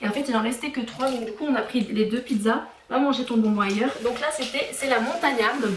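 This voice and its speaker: High-voiced chatty woman in an echoey home. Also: background noise. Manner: chatty, halting with many fillers. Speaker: vlogger. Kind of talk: casual haul vlog. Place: home kitchen and garage.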